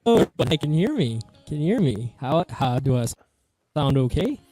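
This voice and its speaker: A man's voice: fairly high pitch, big pitch swings, moderate pace, warm tone, no echo, faint music behind. A man, the show's intern, joining over a video call with choppy, glitchy audio, hesitantly checking his own sound. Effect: choppy, glitchy online call audio. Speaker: show intern. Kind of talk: casual chat.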